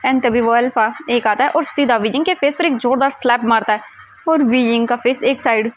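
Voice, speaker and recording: A woman's voice: a little high, normal speed, slight background noise. A woman casually retelling a fan fiction story in a chatty way. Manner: chatty, retells scenes with many quotes.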